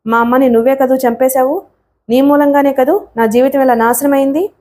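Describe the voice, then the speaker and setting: A volatile young woman from a storybook, defiant and shrill, her outbursts rising high above the reader's usual tone, as a woman narrator puts her on. The voice stays mellow and soft-edged even when she shouts. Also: moderate pace, lightly acted. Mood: vengeful.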